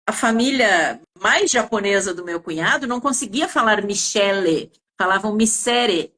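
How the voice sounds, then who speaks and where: A woman's voice: mid-range voice, animated, normal speed, sharp tone. A woman from southern Brazil with a southern accent explains speech errors in a casual chat, giving many examples with frequent hesitations. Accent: southern Brazilian Portuguese. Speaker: communication teacher. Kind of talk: casual two-person chat.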